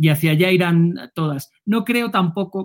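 Ordinary pitch variation in a man's voice pitched fairly high. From Spain (Guadalajara, Madrid). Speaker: tech company education lead. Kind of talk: casual interview.

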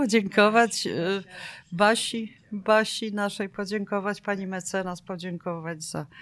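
In a very clean recording with a silent background, a woman talks very slowly. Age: 60s. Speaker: retiree. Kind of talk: interview. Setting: studio.

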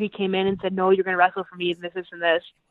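A woman is speaking. She has an American accent. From Michigan. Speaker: wrestler. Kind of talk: casual interview.

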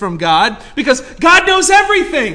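A man speaks in a raised, projected voice at a fairly slow pace, his animated tone swinging very widely in pitch. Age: 40s. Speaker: pastor. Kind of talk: sermon. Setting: church.

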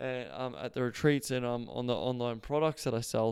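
Recorded very cleanly against a silent background, a man with an Australian accent speaks in a dark, mellow tone. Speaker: podcast host, sex coach. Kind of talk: solo podcast monologue. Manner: casual, ranty with many fillers.

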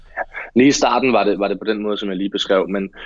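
The man's pitch is fairly low and varies in an ordinary way. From Denmark. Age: 20s. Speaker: sales agency founder. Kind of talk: podcast interview. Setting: studio. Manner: hesitant, many fillers.

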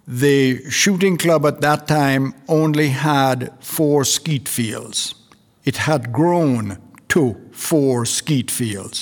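With music playing in the background, a man speaks very slowly at a fairly high pitch and with ordinary pitch variation. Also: very even loudness. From Jamaica. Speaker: shooting club manager. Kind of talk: interview.

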